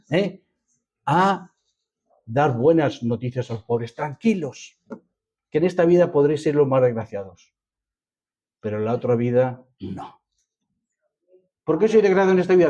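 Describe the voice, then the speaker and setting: A man's voice: mid-range voice, animated, normal speed, long pauses, dark tone, highs cut off. A man with an accent from Spain preaching a sermon to a congregation, emphatic and fond of rhetorical questions and repetition. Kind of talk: sermon, reading and expounding scripture to a congregation.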